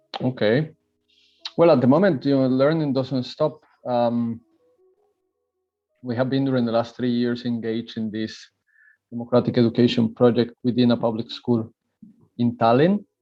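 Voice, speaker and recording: Music plays in the background as a man with a Spanish accent talks at a moderate pace with long, frequent pauses. His pitch is medium and his intonation fairly even. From Colombia. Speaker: educational researcher. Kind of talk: interview. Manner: hesitant, many fillers.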